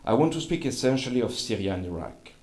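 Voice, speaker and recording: A man, a journalist and scholar giving a formal conference lecture in careful, measured English. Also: mid-range voice, sing-song, a little mellow. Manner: careful, measured delivery with an apology for his accent.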